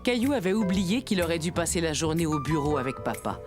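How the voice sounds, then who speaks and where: Woman narrator, storybook reading, lively pitch, lowish voice, music under. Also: fairly quick. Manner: warm, expressive storytelling.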